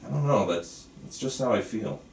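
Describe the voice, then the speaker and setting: A man's voice: on the low side, animated, moderate pace, a little mellow. A man playing a lonely, frustrated and defiant patient in a film script table read. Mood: despondent. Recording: roomy, distant mic, faint room noise.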